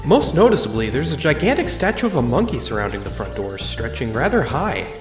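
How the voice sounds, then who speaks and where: A man's voice: medium pitch, natural voice. A man playing a curious, observant visitor, narrating an audio drama in the first person with a wry tone. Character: curious, observant, tactful adult male visitor. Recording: very echoey room, reverberant.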